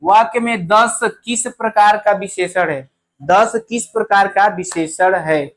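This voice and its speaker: High-voiced male tutor, quizzing. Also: unhurried, fairly bright tone. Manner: chatty and repetitive, quizzing listeners with rhetorical questions; drawls out sounds when demonstrating. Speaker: teacher. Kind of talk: exam-prep grammar lesson.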